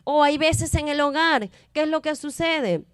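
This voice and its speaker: A woman's voice: high-pitched, a little slow, dry recording, clean studio sound. A woman preaching a testimony sermon, emphatic and full of repeated rhetorical questions.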